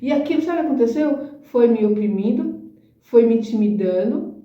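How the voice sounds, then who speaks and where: A woman's voice: fairly high pitch, animated, brisk, distant mic. A middle-aged woman hosting a talk, telling an emotional personal testimony and often adding little tag questions. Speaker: host. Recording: roomy echo, dull lo-fi sound.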